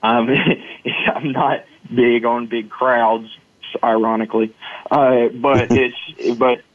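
A man's voice: mid-range voice, level tone, slow. A man from Arkansas with a Southern US accent, telling personal stories as an interview guest in a folksy, earnest manner. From Arkansas, United States. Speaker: guest, motivational storyteller. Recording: muffled phone-like line, dry.

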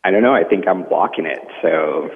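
Male caller from Colombia, deep husky voice, tinny phone line. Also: a little fast. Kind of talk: casual call-in chat.

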